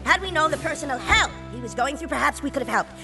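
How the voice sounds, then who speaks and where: A woman's voice: high voice, expressive, fast, music in the background. A woman voicing a pompous schoolboy who speechifies grandly. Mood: grave.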